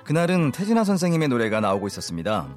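Lively male voice reading a listener story. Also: medium pitch, very fast, faint music behind.

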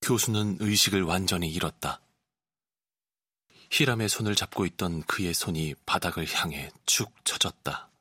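A male voice actor giving scripted audiobook narration with expressive storytelling, recorded close on a studio mic. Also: low voice, moderate pace, husky, no echo.

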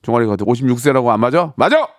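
Lively-voiced middle-aged Korean radio host. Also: male voice, mid-range voice, very fast, dry recording, clean studio sound. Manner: chatty, playful, repetitive, slips into mock voices and sung bits. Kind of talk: radio talk show chat. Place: radio studio. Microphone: studio microphone.

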